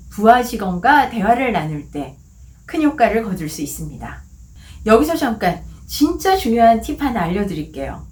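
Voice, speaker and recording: A woman hosting a book channel, giving a calm, clearly articulated talk on conversation tips from her office. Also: medium pitch. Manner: calm, clearly articulated, acts out short quoted lines. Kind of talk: scripted explanatory talk.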